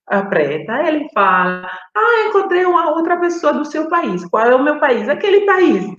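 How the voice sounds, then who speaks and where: A woman's voice: a little high, a bit bright. Reflective woman, echoey dull call audio. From Brazil, raised in Italy. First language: Italian. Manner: reflective, searching for words, with small restarts. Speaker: guest on a live stream. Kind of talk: personal storytelling on a video call.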